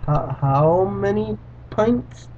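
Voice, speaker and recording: A man reading the lines of a desperate father who is pleading for his only son, in a halting way. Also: sits high, lively intonation, a little mellow, far from the mic, exaggerated voice. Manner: halting read-aloud delivery. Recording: dull lo-fi recording.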